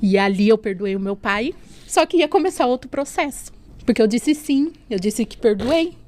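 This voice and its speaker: Speaking in a podcast studio, this woman tells the story of her faith through emotional testimony, voicing the conversations she recalls while often tossing in tag questions and gentle fillers. She sounds fairly high and animated, at a moderate pace.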